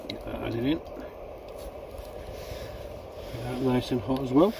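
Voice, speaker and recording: A man's voice: medium pitch, takes it slowly, gravelly. Sizzling pan noise, guy a bit far from the mic doing a casual outdoor cooking vlog, just talking thru the steps off the cuff. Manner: informal, unscripted, thinking aloud. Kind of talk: casual step-by-step cooking narration. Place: outdoors at a woodland camp, beside a cooking pan. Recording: distant mic, loud sizzling frying noise. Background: frying and bubbling food.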